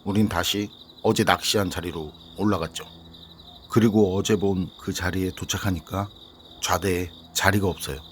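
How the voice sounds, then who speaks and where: A man with a low voice tells a ghost story in the first person. He keeps a calm, steady storytelling pace, and a faint hiss sits under the recording. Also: normal speed. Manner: calm storytelling, reading a listener's submitted story. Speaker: horror story narrator.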